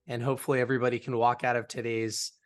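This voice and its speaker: A man's voice: mid-range voice, flat delivery, rapid-fire. A man hosting a podcast interview, friendly and upbeat as he welcomes a guest. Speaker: podcast host.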